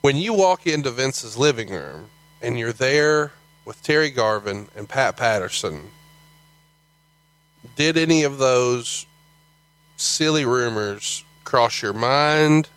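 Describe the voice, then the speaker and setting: A man's voice: mid-range voice, expressive, takes it slowly, a bit bright, no echo, poor audio. Male podcast host, mid-range voice, conversational interviewer who presses for details. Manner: probing, leads with follow-up questions.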